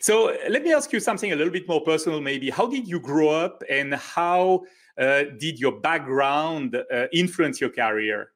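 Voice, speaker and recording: A man's voice: fairly high pitch, animated, normal speed, a bit bright. A man hosting an interview segment, asking questions and encouraging his guest. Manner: encouraging, attentive. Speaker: interview host.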